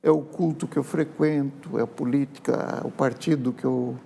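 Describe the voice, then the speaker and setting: A man's voice: medium pitch, steady tone, normal speed, gravelly, dark tone, slightly rough. A man, a writer telling stories reflectively in a casual TV interview. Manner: reflective, with frequent tag questions. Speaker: writer and guest. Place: TV studio.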